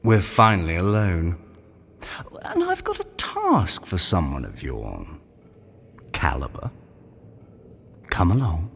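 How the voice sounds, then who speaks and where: An actor playing a sly, theatrical trickster god in an audio drama, pompous, wordy and teasing with mock innocence. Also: male voice, deep voice, wildly swooping pitch, slow, long pauses, a bit bright, slightly rough, long reverb tail, heavily acted. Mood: smooth, commanding. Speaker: guide of a training adventure.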